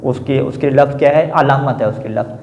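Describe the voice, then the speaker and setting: A male teacher giving a classroom lecture on grammar, posing questions to the class and answering them himself, often adding a quick confirming filler. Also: mid-range voice, creaky, darkish tone. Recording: echoey room, dull lo-fi sound.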